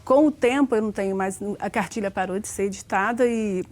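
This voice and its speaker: A woman's voice: mid-range voice, a little fast, darkish tone. A Brazilian woman teacher with a Brazilian Portuguese accent, recounting her classroom practice. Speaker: guest teacher. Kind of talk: interview answers.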